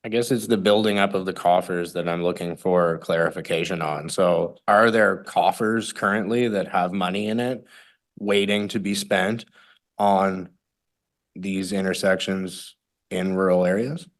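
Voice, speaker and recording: Man, councillor, very low voice, probing questions, seeks clarification. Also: fairly even intonation, measured pace. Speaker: city councillor. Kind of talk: committee meeting questions.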